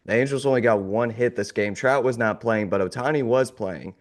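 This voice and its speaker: A man's voice: medium pitch, brisk. A man hosting a casual sports podcast, his voice a little off as he recovers from an illness, talking in a glum, wry way. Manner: glum, sarcastic, laughing off the gloom. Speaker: podcast host.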